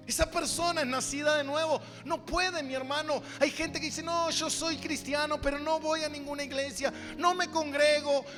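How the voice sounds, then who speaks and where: A man's voice: very high-pitched, pushed and bright. A man preaching a sermon as a pastor, teaching from the Bible emphatically, repeating phrases and putting rhetorical questions to his listeners. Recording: echoey hall, music behind the voice.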